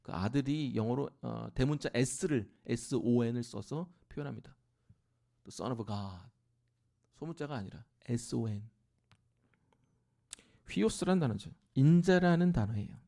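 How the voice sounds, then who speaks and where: A man's voice: measured pace, vocal fry, pauses often. A man preaching a sermon in church, explaining scripture and acting out lines with rising force. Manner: animated preaching, shouting scripture at peaks, then dropping low. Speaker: pastor. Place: church sanctuary.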